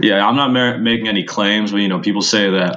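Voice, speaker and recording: A man with an American accent speaks at a fairly low pitch with ordinary pitch variation, and noticeable background noise is present. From Washington D.C. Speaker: blogger. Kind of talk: casual chat. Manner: animated.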